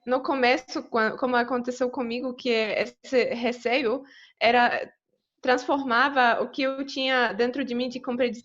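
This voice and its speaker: A woman's voice: on the high side, fairly even intonation, measured pace, fairly bright tone, lo-fi sound. Polish woman speaking Portuguese over a call. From Poland. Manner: thoughtful, hesitant, many fillers. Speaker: guest, polyglot. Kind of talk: casual video-call interview. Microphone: video call.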